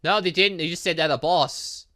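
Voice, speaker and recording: A man's voice: fairly high pitch, moderate pace, bright, forceful tone. A man hosting a game playthrough, reading dialogue aloud and commenting in a theatrical, exclamatory way. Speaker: gaming video host.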